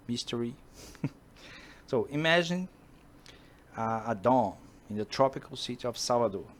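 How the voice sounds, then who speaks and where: Addressing the camera casually in accented English, a man from Brazil who speaks Portuguese pitches a film built on his own books. He often halts to look for the words he needs, and there is slight noise in the background.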